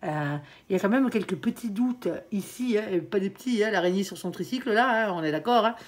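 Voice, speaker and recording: A woman's voice: medium pitch, lively intonation, fairly quick. A woman with a stuffy, nasal voice, coming down with a cold, giving a casual tarot reading to camera and tagging nearly every phrase with a little filler. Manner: chatty, ends nearly every phrase with "hein". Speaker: tarot card reader.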